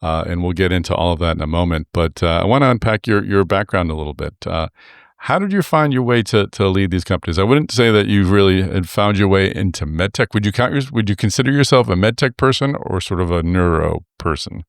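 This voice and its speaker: A man with a very deep, smooth voice hosts a podcast interview. He asks long, meandering questions full of "uh"s and restarts. The sound is dry and close to the mic. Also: animated, brisk, no room sound. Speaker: podcast host.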